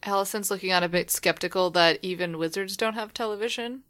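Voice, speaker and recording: Chatty woman with a smooth, bright voice. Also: medium pitch, steady tone, a little fast. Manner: chatty, narrates own character. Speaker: player. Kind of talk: casual tabletop role-play chat.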